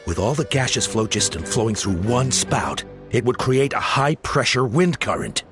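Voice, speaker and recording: A man playing an earnest, encouraging tribal elder in a fantasy video game, speaking deliberately. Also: mid-range voice, sing-song, music in the background, lightly acted. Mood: pondering. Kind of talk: video game character dialogue.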